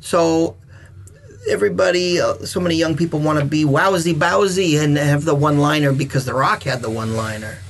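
A middle-aged man, a veteran wrestler and guest, telling stories in a casual chat, animated and swinging between loud and soft. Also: fairly high pitch, a little fast, vocal fry, slight background noise.

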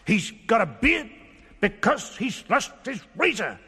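A man's voice: sits high, big pitch swings, measured pace, sharp tone, slightly rough, big-room sound, voice pushed up, exaggerated voice. A man voicing a friendly, chatty little male mouse in a storybook.

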